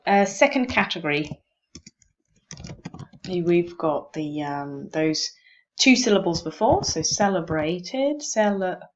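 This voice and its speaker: Slow, low-voiced woman teaching word stress. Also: expressive, a little hiss or hum. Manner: slow, thinking aloud, self-correcting. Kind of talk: explaining word stress over a screen recording. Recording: dull lo-fi mic with faint keyboard clicks.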